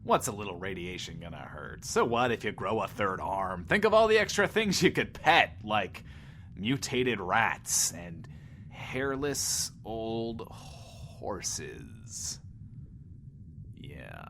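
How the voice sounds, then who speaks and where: A sleazy, smug radio host of the post-apocalypse for an audio drama. He tosses off flippant wisecracks in a low, very lively voice over clear background noise. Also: takes it slowly, full character voice. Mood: flippant, musing. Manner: smug, flippant, talks of himself in third person. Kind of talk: in-world radio show patter, audio drama.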